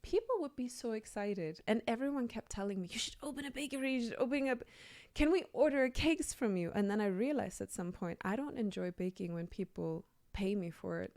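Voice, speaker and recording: A woman's voice: on the high side, expressive, a little fast, hardly any pauses, darkish tone, no room sound. Earnest woman in a dry studio. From Denmark. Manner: earnest, emphatic, repeats phrases and seeks agreement with "right?". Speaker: radio guest, leadership and personal development coach. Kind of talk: reflective conversational interview. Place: radio studio.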